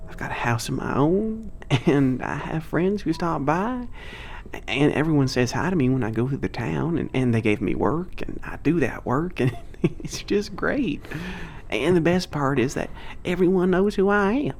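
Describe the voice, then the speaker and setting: A man's voice: on the high side, animated, moderate pace, gravelly, a little hiss or hum. A man playing a friendly, anxious young half-giant villager in an ASMR roleplay, chatty and folksy with hesitant, nervous delivery. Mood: nervously cheerful.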